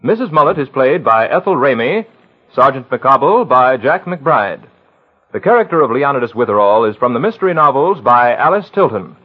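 Old-time radio announcer, American male. Formal, measured credits read, rough-edged voice, muffled vintage broadcast sound. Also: medium pitch, very animated. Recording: dull, muffled 1940s radio recording.

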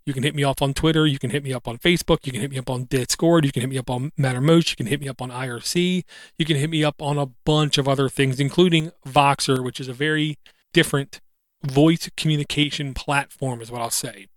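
This podcast host, in his thirties, speaks alone in a medium-pitched voice with fairly even intonation and no echo. Earnest and reflective, he halts and uses fillers, and a slight speech impediment causes an occasional stutter.

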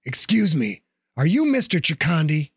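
A man's voice: fairly high pitch, very animated, moderate pace, slightly rough, no echo, studio quality. A man voicing a cocky, wisecracking male fighter who talks with mock politeness. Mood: mock-polite.

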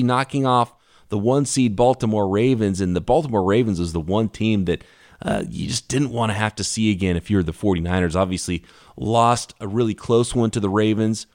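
A man hosting a solo sports podcast, talking through the game in an energetic, conversational way while his voice is worn from a cough. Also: medium pitch, no echo, clean studio sound. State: losing his voice from a lingering cough. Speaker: podcast host.

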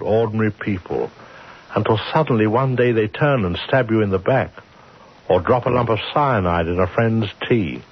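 A man's voice: medium pitch, husky. A man narrating an old-time radio suspense story in a wry, conversational storytelling manner. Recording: muffled, hissy old radio recording.

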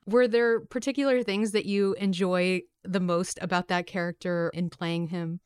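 A woman's voice: fairly low pitch, steady tone, moderate pace, darkish tone, clean tone, no echo, clean studio sound. A woman hosting an interview, asking upbeat, enthusiastic questions. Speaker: interviewer host.

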